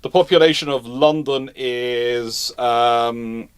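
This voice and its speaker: A man's voice: mid-range voice, slow, clear, resonant tone. Guy hosting a live history q&a, chatty and emphatic, mid voice, says things twice to stress them. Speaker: host answering viewer questions. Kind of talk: casual live naval history Q&A.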